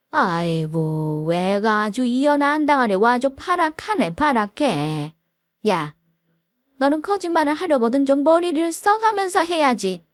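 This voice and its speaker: A scornful middle-aged mother-in-law, put on by a woman, jeers and scolds in a high, swooping voice that leaps all over. Her sarcasm drips through a dry, close recording. It comes from a storytelling reading. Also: no echo, heavily acted. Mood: mocking.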